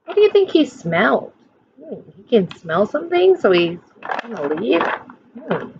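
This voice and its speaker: A woman teacher reading a picture book aloud to children, expressive and dramatic, with drawn-out phrases. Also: on the high side, vocal fry, highs cut off, slight background noise. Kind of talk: expressive picture-book read-aloud with questions to young listeners.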